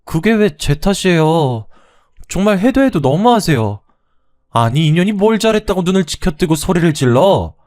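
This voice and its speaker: A man's voice: a little high, expressive, normal speed, darkish tone, voice pushed up, close to an everyday voice. A man voicing a wronged young widowed daughter-in-law, indignant and pleading, in a radio story.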